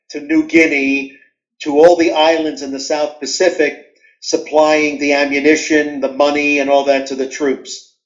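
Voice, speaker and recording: A man's voice: a little high, lo-fi sound. A man from New York with a New York accent, telling stories from his childhood as an interview guest and acting out scenes as he goes. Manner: animated storyteller, acts out scenes. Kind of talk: storytelling interview answers.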